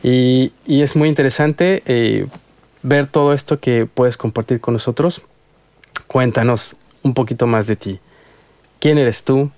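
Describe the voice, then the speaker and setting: A man's voice: medium pitch, unhurried, darkish tone, no room sound. A man hosting a casual radio interview, chatty and hesitant, with many restarts. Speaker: radio show host. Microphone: studio microphone.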